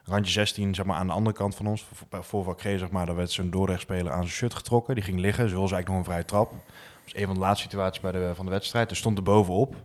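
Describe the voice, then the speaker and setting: A man's voice: sits low, steady tone, quick pace, hardly any pauses. A man co-hosting a casual football podcast, chatty, telling match moments with lots of fillers. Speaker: podcast co-host.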